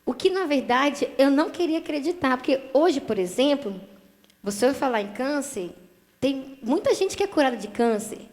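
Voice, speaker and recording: A woman from Brazil speaks in a slightly high voice with a Brazilian Portuguese accent. She tells her personal testimony earnestly as a TV guest and acts out the lines she quotes. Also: animated, moderate pace, a little mellow. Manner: earnest storytelling, acting out quoted dialogue.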